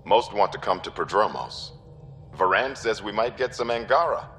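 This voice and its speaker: A man's voice: on the low side, lively intonation, normal speed, a bit bright, faint music behind. A middle-aged man playing a genial, seasoned settler leader in a video game, talking in a folksy, wry way. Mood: warm, relieved. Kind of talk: video game dialogue acting.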